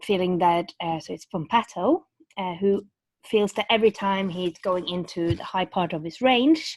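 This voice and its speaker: A woman with a Norwegian accent and ordinary pitch variation in a dry, close sound with no echo. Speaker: vocal coach. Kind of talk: webinar lecture. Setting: video call. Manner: halting, many fillers.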